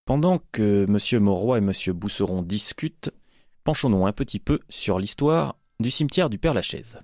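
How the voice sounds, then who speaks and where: A man acts as game master, narrating the story in a fairly low voice. Music runs underneath his role-play narration. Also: lively intonation, moderate pace, a little mellow. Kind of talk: scripted and improvised narration of a role-playing game.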